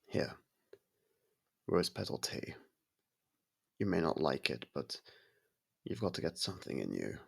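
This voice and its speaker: A man playing a courteous, brooding vampire in an intimate ASMR audio roleplay, with a gravelly, husky voice and halting, hushed delivery. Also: very deep voice, sing-song, exaggerated voice. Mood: calm, explaining. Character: brooding male vampire, courteous, softened toward a human. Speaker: voice actor.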